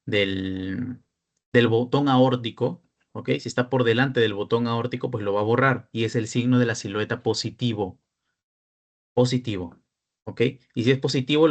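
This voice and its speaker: Delivering an online class lecture, this peer tutor explains each step in turn and keeps checking in with his students. He's a young man with a Peruvian Spanish accent and a mid-range voice.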